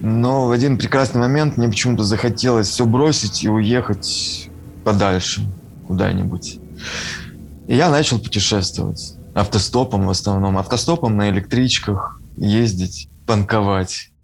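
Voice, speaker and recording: A man talks at a fairly slow pace in a fairly low pitch with ordinary pitch variation and very even loudness, over noticeable background noise. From Russia, Yekaterinburg. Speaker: musician and food courier. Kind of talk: interview storytelling.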